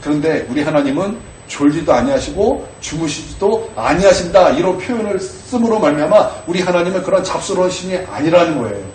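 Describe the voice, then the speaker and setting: A man preaching a sermon as a pastor, building to shouted exclamations. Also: on the high side, lively intonation, fairly quick, hardly any pauses. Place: church sanctuary. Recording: echoey room from far off with faint noise.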